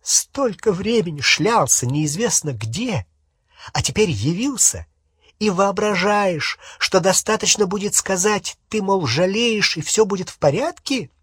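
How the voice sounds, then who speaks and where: A man's voice: high voice, animated, a little slow, fairly bright tone, breathy edge, dry recording, clean studio sound, pitched above the performer's own voice, exaggerated voice. A man reading an audiobook, voicing a furious teenage girl witch who screams and mocks sarcastically. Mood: bitter sarcastic.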